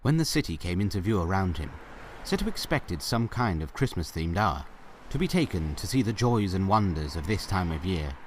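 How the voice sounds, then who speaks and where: A man narrating a scripted story in a dramatic, expressive storytelling style. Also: low voice, moderate pace, slight background noise. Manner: expressive, theatrical.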